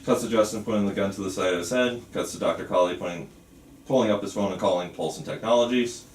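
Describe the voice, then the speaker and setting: A man's voice: lowish voice, fast. A man reading screenplay stage directions aloud at a table read in a roomy space. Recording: roomy, distant mic, faint room noise.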